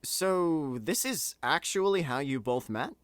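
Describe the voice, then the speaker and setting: Actor as dry, animated young guy. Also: on the high side, unhurried, a little hiss or hum. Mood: wry. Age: young adult. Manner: dry, sarcastic. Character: Nick, easygoing, dryly funny young man gamer. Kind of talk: audio drama dialogue.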